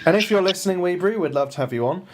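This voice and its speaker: A man's voice: sits high, lively intonation, racing, a crowd in the background. A man hosting a casual live election stream, rambling through results with fillers and restarts.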